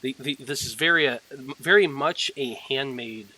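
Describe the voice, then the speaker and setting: A man narrating as dungeon master, describing details in a measured way with fillers. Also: medium pitch, bright, forceful tone, rough recording. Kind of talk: narrating a tabletop game.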